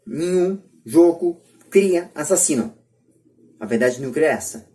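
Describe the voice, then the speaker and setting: A man's voice: a little high, animated, measured pace, warm tone. A man with a Brazilian accent talking earnestly and emphatically on a podcast, repeating himself to press his points. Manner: emphatic, repetitive. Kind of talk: earnest opinionated podcast talk. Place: at home, remote group call.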